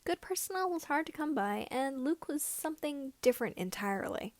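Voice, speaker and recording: A woman reading scripted fan fiction as an amateur narrator, with slightly halting phrasing. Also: sits high, animated, dry recording.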